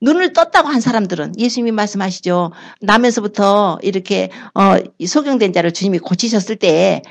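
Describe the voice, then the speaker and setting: Animated, gravelly-voiced woman pastor preaching. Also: mid-range voice, brisk. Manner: animated storytelling, acting out quoted lines in shifting voices. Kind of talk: sermon.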